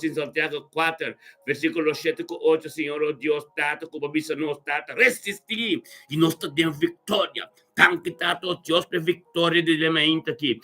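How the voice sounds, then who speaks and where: A man's voice: fairly high pitch, sharp tone. A man leading a fervent, improvised Christian prayer, repeating phrases and often breaking in with short exclamations of praise. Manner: repetitive, with frequent interjected praise exclamations. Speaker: prayer leader. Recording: music playing behind the voice. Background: music.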